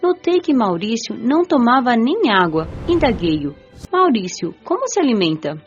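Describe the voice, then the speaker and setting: An actress playing a gentle, curious young woman spirit who narrates her afterlife in a measured, earnest radio drama style. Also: a little high, sing-song. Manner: measured, earnest, careful storytelling. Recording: muffled audio with music underneath.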